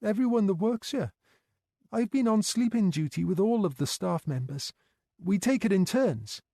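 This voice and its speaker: A fretful young care worker woman, as a male storyteller puts her on, her voice lifted high and trembling with worry. She pleads and explains in lively rises and falls, close to tears. The sound is warm and dry, right up at the mic. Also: normal speed, no room sound. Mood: worried. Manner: tearful, worried, pleading. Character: anxious young female night care worker.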